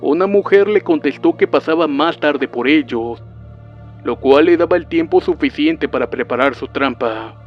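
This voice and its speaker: Male narrator, calm scripted horror narration, faint music behind, muffled recording. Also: fairly high pitch, normal speed. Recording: dull lo-fi sound with faint music.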